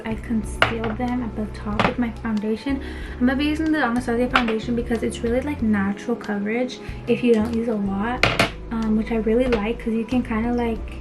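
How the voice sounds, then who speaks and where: Young woman talking with a retainer in. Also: fairly high pitch. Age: young adult. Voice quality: slightly slurred speech from wearing a retainer. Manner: chatty, playful. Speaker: beauty vlogger. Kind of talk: casual makeup tutorial chat. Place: small bedroom indoors.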